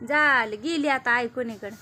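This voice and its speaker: A woman's voice: on the high side, moderate pace, bright, forceful tone, a little hiss or hum. A woman films her pet cats at home and talks to them in teasing baby-talk. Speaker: vlogger, mother. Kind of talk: casual home vlog, talking to pet cats.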